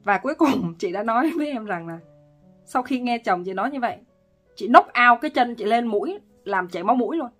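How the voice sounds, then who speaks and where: A woman relationship counselor giving casual advice, talking with lively emphasis and frequent laughter. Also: fairly high pitch, fairly quick, soft background music.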